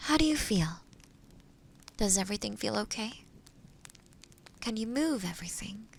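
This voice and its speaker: A woman playing a kind, gentle forest witch in an audio roleplay, speaking softly and soothingly to the listener. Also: mid-range voice, expressive, moderate pace, creaky, breathy edge. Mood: caring, checking. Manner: soothing, caring, softly breaking into whispers. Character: kind, gentle forest witch who loves helping others.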